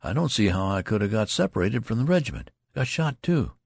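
Male narrator as a spent young soldier, halting and stammering, husky and gravelly. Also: on the low side, big pitch swings, darkish tone, no echo, studio quality, voice pushed up, heavily acted. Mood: shaken. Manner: halting, stammering, repeating himself. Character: exhausted young male soldier, faltering and nervous.

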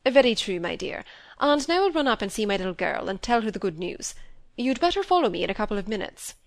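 A woman voicing a kind, gently wry middle-aged male doctor who speaks softly and warmly. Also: mid-range voice, big pitch swings, fast talker, vocal fry, dry recording. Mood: kindly.

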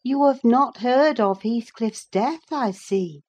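A brisk, warm-hearted housekeeper chatters in a lifted, lively voice, as a woman reader puts her on. She welcomes and fusses in a storybook reading. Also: fairly high pitch, husky, lo-fi sound, voice pushed up. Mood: welcoming. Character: brisk, kindly middle-aged housekeeper woman.

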